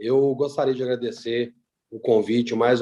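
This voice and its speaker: The speaker talks at a fairly slow pace with a Minas Gerais accent and a dark, mellow tone. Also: man. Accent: Minas Gerais (mineiro). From Minas Gerais, Brazil. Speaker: lawyer. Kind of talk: webinar presentation.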